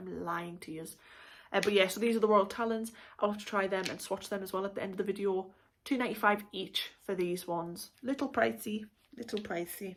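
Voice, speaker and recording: On a very clean recording with a silent background, a woman with a Northeast English accent speaks at a fairly quick pace with ordinary pitch variation. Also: medium pitch for a woman. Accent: Northeast England. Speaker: art YouTuber. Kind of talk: casual product review haul. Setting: living room at home. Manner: chatty with frequent fillers.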